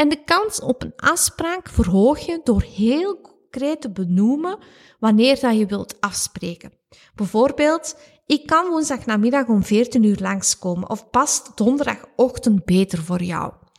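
Her high voice swings very widely in pitch as this woman talks at a fairly slow pace. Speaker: business mentor and podcast host. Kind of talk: solo podcast monologue. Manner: enthusiastic.

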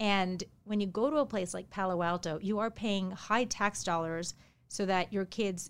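A woman's medium-pitched, normal speaking voice with ordinary pitch variation and a moderate pace. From New York City area, US. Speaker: author. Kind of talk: interview.

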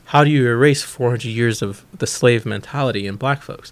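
A man with an American accent has an unremarkable speaking voice at a medium pitch. He keeps a moderate pace with ordinary pitch variation. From Chicago suburbs, Illinois. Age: 30s. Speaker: bodybuilder and strength coach. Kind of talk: casual chat.

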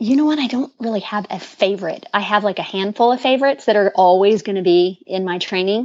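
Speaking very fast with hardly any pauses, a woman keeps to a medium pitch with ordinary variation. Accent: American. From Texas. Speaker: fitness coach. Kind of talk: interview.

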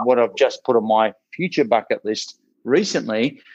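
With an Australian accent, a man is talking. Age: 40s. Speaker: motivational speaker. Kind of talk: interview.

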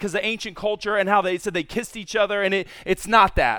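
In a very clean recording with a silent background, a man with an American accent speaks at a high pitch. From San Diego, California. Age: 40s. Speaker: pastor. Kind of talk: sermon.

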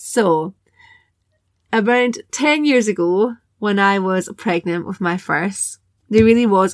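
Recorded very cleanly over a silent background, a woman with a plain, everyday voice speaks at medium pitch in a dry, close sound with no echo. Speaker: hypnobirthing teacher and doula. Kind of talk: guided meditation.

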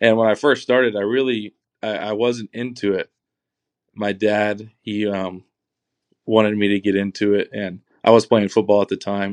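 The sound is dry and close, with no echo, as a man speaks in a fairly low pitch. His intonation is monotone and flat, broken by long, frequent pauses. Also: moderate pace. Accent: American. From Texas, near Houston. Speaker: college sport shooter. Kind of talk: interview.

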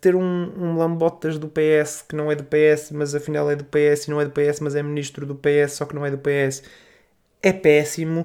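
In a European Portuguese accent, a man with a fairly high pitch speaks at a fairly slow pace with fairly even intonation. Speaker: podcast host. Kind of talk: solo political commentary podcast. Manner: hesitant, many fillers.

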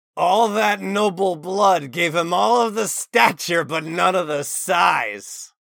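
Putting on a character voice, a man talks at a fairly slow pace and a high pitch, with hardly any pauses. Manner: mocking, jibing.

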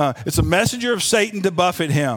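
A high-pitched man with a Southern US accent and lively intonation, at a very fast pace. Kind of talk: sermon. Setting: church.

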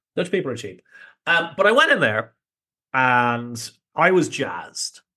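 A fairly high-pitched man with an Irish accent, bright and sharp in tone, fairly slow, with very wide pitch swings against a quiet background. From Ireland. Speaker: podcast host. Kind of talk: casual chat.

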